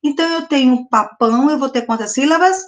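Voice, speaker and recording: A middle-aged woman with a Brazilian accent and a slightly high voice leads a video lesson for young children. She speaks patiently, asks questions and answers them herself, and stretches words out slowly into syllables. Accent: Brazilian Portuguese. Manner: slow, sounding out words syllable by syllable. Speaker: primary school teacher. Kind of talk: recorded video lesson for first graders.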